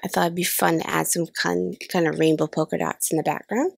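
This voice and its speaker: Woman in her thirties, host of a crafting tutorial voice-over; slightly nasal from a cold, low-pitched and gravelly, dry close recording. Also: steady tone, fairly quick, no echo. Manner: chatty, self-deprecating about mistakes. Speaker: card-making channel host. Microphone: voice-over recorded separately.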